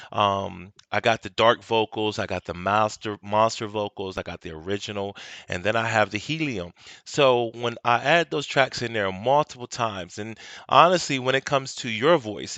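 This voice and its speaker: A man with a lowish voice walks viewers through a software tutorial, relaxed and instructive, dropping in "um" and "okay" as he goes. The sound is close and dry, recorded at his home desk with no room around it. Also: no echo, highs cut off. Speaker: video tutorial host. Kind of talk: casual software tutorial walkthrough. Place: home desk at a desktop computer.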